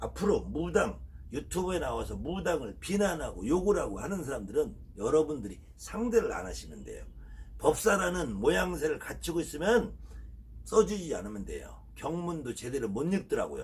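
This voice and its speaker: Speaking in a Chungcheong accent, a man uses an animated tone with big swings in loudness, and room echo is audible. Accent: slow Chungcheong speech. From Chungcheong, Korea. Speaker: shaman ritual master and teacher. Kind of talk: lecture. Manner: animated ranting.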